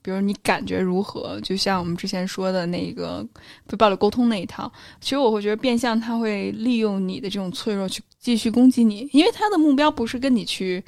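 A woman's voice: mid-range voice, fairly quick, creaky, a little mellow, no echo, clean studio sound. A woman in a casual podcast chat who talks in a reflective, analytical way and backs up her co-host.

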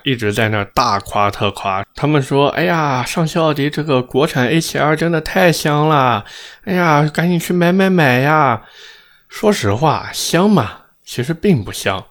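A man hosting a car review show, speaking with slightly slurred, thick-tongued diction in a blunt, sarcastic, opinionated manner. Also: medium pitch. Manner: blunt, sarcastic, rhetorical questions. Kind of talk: opinionated car commentary to audience.

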